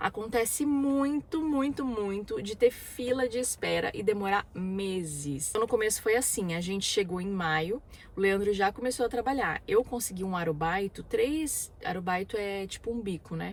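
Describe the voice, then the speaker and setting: In a Brazilian accent, a woman with a medium pitch speaks at a moderate pace, her tone animated and her intonation lively. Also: hardly any pauses. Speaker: vlogger. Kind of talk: casual vlog talk. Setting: outdoors. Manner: soft-spoken. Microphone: car Bluetooth audio, poor quality.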